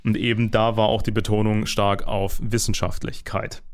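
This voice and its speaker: Rambling low-voiced man. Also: flat delivery, moderate pace. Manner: rambling, many fillers and restarts. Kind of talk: casual monologue.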